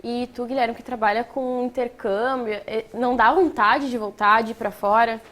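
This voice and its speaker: A woman's voice: a little high, fairly even intonation, normal speed, a bit bright. A woman hosting a studio talk show, asking long chatty questions. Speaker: show host.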